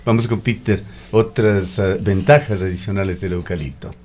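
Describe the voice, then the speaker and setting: A man hosting a radio interview, measured and prompting guests with frequent backchannels. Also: sits low, fairly even intonation, a little mellow, faint music behind. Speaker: radio host. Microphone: studio microphone.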